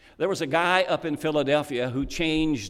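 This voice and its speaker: On a very clean recording with a silent background, a man with a Kentucky accent uses a fairly high pitch and lively intonation at a moderate pace. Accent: Southern US (Kentucky). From Kentucky, US South. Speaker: guest preacher. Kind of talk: sermon. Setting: church with congregation. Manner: folksy, storytelling.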